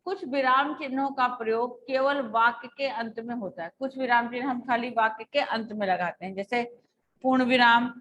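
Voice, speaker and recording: High-voiced woman teaching a patient lesson. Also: a bit bright, dull audio. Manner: patient, explains slowly with examples. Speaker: school teacher. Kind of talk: online class lecture.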